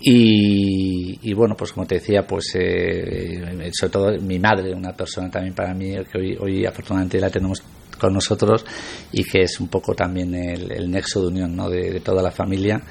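Middle-aged man, very low voice, radio guest, thoughtful and halting, faint background noise. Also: little pitch movement, creaky, a little mellow. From Spain. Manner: reflective, hesitant with many fillers. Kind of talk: radio interview.

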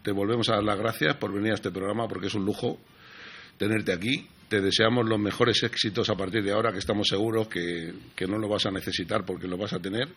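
A man's voice: lowish voice, steady tone, quick pace, a bit bright, slightly rough. A man co-hosting a radio show, chatting in a friendly, casual way. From Spain. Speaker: radio co-host.

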